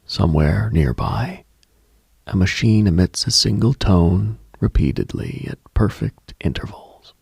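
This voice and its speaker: Very deep, breathy, slow man. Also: very animated, no room sound, clean studio sound. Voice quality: husky, breathy, gravelly low voice. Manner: hushed, deliberate, brooding storyteller with pauses. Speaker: late-night radio host. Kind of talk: scripted late-night mystical monologue, ASMR-like.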